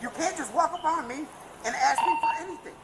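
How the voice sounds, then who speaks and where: A high, fast-talking man argues from inside a truck, his words dulled as they pass through the closed window. The sound comes from a body camera outside, with plenty of noise around it. He stays defiant and combative. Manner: defiant, argumentative. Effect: muffled, heard through a closed truck window. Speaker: detained driver. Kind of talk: heated argument with police. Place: inside a pickup truck, outdoors.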